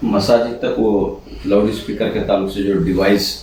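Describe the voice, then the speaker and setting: A man's voice: lowish voice, little pitch movement, moderate pace, darkish tone. A man asking a question as a reporter at a press meet. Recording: distant from mic, echoey, background noise.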